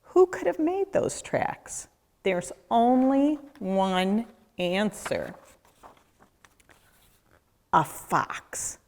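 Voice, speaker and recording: Woman doing a kids storytime read-aloud, real slow and lively pitch, echoey room. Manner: deliberate, questioning storyteller delivery for children. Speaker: nature center educator reading aloud. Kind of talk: children's picture book read-aloud. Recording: echoey room with long reverb.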